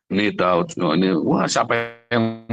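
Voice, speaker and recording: Over music, a pastor delivers a conversational livestream sermon in a lowish, unhurried voice, with the highs cut off in the audio. He is blunt and emphatic, speaking straight to listeners and asking rhetorical questions.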